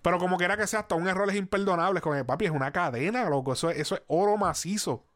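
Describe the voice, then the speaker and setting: A man's voice: high voice, racing, a bit bright. A man hosting a casual chat, rambling and restarting his sentences, swearing casually.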